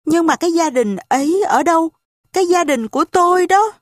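A woman's voice: high voice, slow pace, dry recording, clean studio sound, pitched above the performer's own voice. A woman voicing a pleading young boy. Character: anxious young boy searching for his family. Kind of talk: audiobook character voice.

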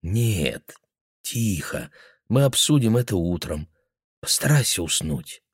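A man voicing a caring daughter who calms her old father. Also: medium pitch, measured pace, no room sound, studio quality, pitched above the performer's own voice. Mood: hushed. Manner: soothing, gentle. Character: caring middle-aged daughter, gentle.

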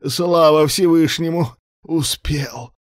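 A man's voice: on the high side, takes it slowly, no echo, clean studio sound, pitched above the performer's own voice. A man voicing a remorseful, broken old father who pleads in a wheezy, tearful voice in an audiobook. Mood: urgent. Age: older. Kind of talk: audiobook character voice.

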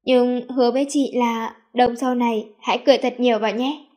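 Woman reading as a doting young pregnant woman, coaxing, affectionate, a bit high and lifted, storybook. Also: steady tone, fairly quick, mellow, lightly acted. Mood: tender. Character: gentle playful pregnant young woman, doting older sister figure.

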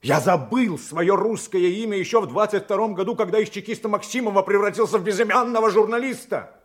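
An actor plays a male undercover agent in an audio drama, weary and burdened by his secret life. His voice sits a little high for a man. He speaks with emotional emphasis, moving between hushed and forceful delivery. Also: fairly quick, lightly acted. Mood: bitter, pained.

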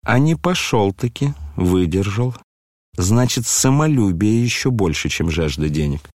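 A man's voice: fairly low pitch, expressive, a little slow, a little mellow, no echo, studio quality. Nastasya, a man reading a proud scornful woman. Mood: defiant. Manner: commanding, defiant. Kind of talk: audiobook character reading.

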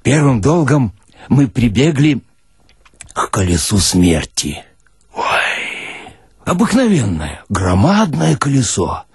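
A man reads comic literary prose as a theatrical narrator. His voice is strikingly raspy and husky, with wide melodic swings. He lingers over phrases at a slow, deliberate pace. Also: medium pitch, dry recording, clean studio sound. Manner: theatrical, expressive, with deliberate pauses. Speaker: narrator, reader of literary stories. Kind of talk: dramatic first-person reading of satirical short stories.

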